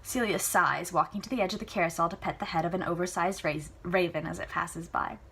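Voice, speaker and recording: A woman's voice: fairly low pitch, fairly even intonation, a little fast, creaky, sharp tone, husky. A woman reading a novel aloud as an amateur storybook narrator. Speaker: amateur book reader. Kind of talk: storybook narration with casual asides.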